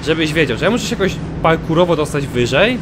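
A man giving excitable let's play commentary, swearing often as he plays. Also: a little high, fast talker, background noise. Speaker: gaming commentator.

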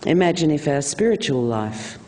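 A man reading a political speech aloud in a measured, deliberate oratorical manner, with emphatic repeated phrasing. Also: a little high, sing-song, warm tone, slight background noise. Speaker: reader of a famous political speech on stage.

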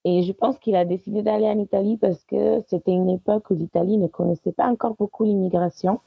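A woman's voice: medium pitch, steady tone, brisk, creaky, breathy edge, no echo, phone-quality sound. A woman in her thirties, a guest in an interview, talking casually with frequent small laughs and hesitations. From Italy. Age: 30s. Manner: warm, laughs often, many hesitations.

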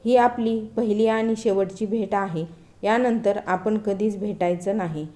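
Woman reading calm, firm young mother, mellow storybook voice. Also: mid-range voice, unhurried, natural voice. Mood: resolute. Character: resolute abandoned wife and young mother.

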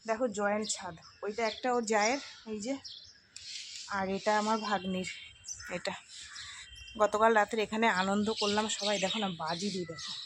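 A middle-aged woman chatting to her viewers as she walks around an old house, sometimes lowering her voice. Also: fairly even intonation, moderate pace, long pauses, noisy background. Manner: chatty, addresses viewers directly; hushed in places so as not to wake sleepers. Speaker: vlogger. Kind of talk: casual walk-through vlog. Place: old house, rooftop and rooms.

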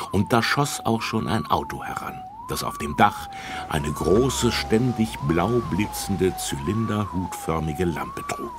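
A man narrating a children's audiobook in a lively storytelling manner. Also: on the low side, background noise.

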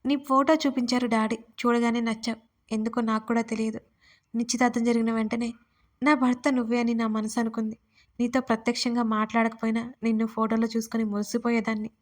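A woman voicing a shy, tender young bride in an audio story, speaking softly and tearfully. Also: a little high, level tone, fairly quick, natural voice. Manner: soft, shy, tearful speech.

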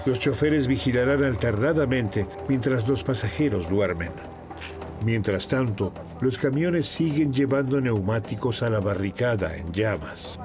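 A man giving measured, scripted documentary narration. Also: medium pitch, animated. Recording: voice-over with music underneath.

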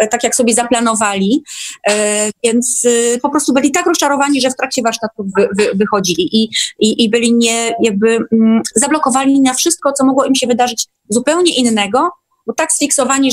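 A woman talking casually as a guest in an online discussion, often repeating words for emphasis. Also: a little high. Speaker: guest, workshop participant.

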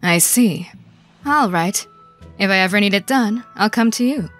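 A woman's voice: medium pitch, lively intonation, unhurried, faint music behind, close to an everyday voice. A woman voicing a stern, blunt, determined young female fighter in a fan dub of an anime game. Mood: matter-of-fact.

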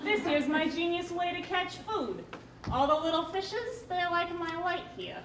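A sly, grumpy anglerfish, as a woman acts her out in a puppet show, talks with a gruff sarcastic edge. Her high voice swings widely. It echoes from afar in a hall. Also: expressive, unhurried, far from the mic, background noise.

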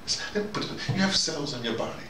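A man's voice: medium pitch, animated, fast talker. An older man giving a rambling, conversational monologue to camera, digressing and putting questions to himself as he muses. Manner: digressive, musing, often asks himself questions. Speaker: video diarist delivering an opinion monologue. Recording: roomy, distant mic, noisy ambient background.

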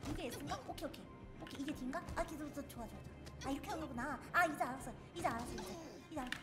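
A woman streamer giving live gameplay commentary, excitably and playfully shouting threats at the game, with game music behind her. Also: high-pitched, very fast. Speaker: VTuber streamer.

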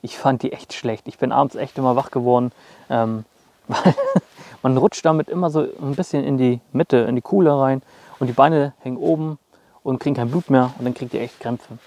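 A man's voice: mid-range voice, normal speed, darkish tone. A young man casually showing his outdoor gear, talking straight to viewers with plenty of fillers, recorded in snowy woods on a clip-on mic. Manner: chatty, lots of fillers, addresses viewers directly.

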